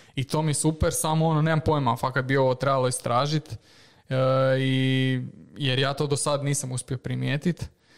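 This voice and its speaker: A man's fairly high voice, fairly quick pace, flat monotone intonation and very even loudness. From Croatia, Požega (Slavonia). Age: 20s. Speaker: esports content intern and student. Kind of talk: casual chat.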